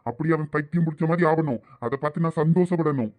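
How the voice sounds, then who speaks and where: A man's voice: fairly high pitch, quick pace, darkish tone, close to an everyday voice. A man voicing a scheming male villain in a cartoon, gloating and menacing, with a Thoothukudi Tamil accent. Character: scheming male villain holding a woman captive.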